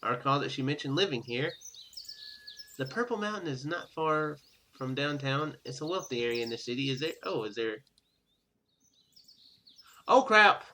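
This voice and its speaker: A man's voice: mid-range voice, expressive, normal speed, pauses often, pushed and bright, a little hiss or hum. A man hosting a gaming video, reading a visual novel's text aloud and dropping in casual, offhand comments. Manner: ad-libs offhand remarks, casual and informal.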